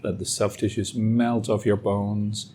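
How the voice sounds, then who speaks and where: A man leading a guided meditation as a teacher, speaking gently and soothingly with long pauses, over music. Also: fairly low pitch, little pitch movement, slight background noise. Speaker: meditation teacher and podcast host. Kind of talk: guided meditation, calm instruction.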